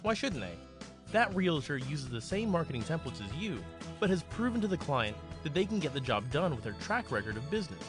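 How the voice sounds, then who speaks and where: A man reading a scripted ad with a lively, salesy delivery. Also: on the high side, a little fast. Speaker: ad announcer. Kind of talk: scripted ad read. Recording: voice over clear music bed.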